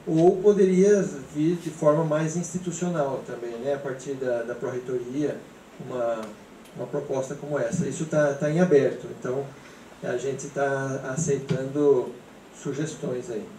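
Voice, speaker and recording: A Brazilian man with a mellow voice moderates a university talk on a handheld mic, pausing and restarting often. He sounds roomy and set back from the recorder, with faint hiss behind him. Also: medium pitch, steady tone. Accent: Brazilian Portuguese. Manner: hesitant, many fillers and restarts. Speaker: event host. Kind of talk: hesitant, informal presentation moderation. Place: university seminar room. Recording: echoey room from a distance, faint noise.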